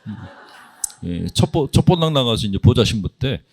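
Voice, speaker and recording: A man's voice: medium pitch, big pitch swings, normal speed, a little mellow, breathy edge. A middle-aged man, a Catholic priest, giving a humorous spiritual talk full of anecdotes and jokes for an audience. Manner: joking, anecdotal storytelling to an audience.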